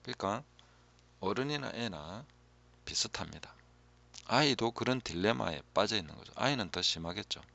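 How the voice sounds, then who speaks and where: It's a pastor's Bible teaching at a moderate pace, delivered in a low, gravelly voice that stays calm and thoughtful and often sinks into hushed tones. The sound is dull, like a lo-fi recording.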